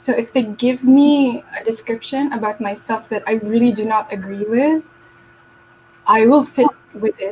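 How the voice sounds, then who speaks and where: Someone with a non-native accent talks over noticeable background noise. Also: woman, fairly high pitch for a woman, ordinary pitch variation, moderate pace. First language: not English. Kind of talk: casual chat.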